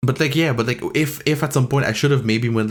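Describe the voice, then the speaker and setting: A man speaks at a very fast pace in a strong Quebec accent. His pitch is medium, with ordinary variation. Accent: thick French Canadian. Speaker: podcast host and game master. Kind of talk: casual chat.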